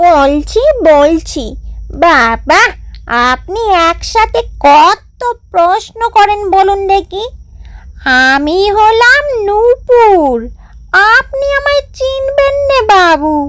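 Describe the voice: A female-sounding cartoonish character voice speaks at an extremely high pitch and a very slow pace. Its pitch swings very widely.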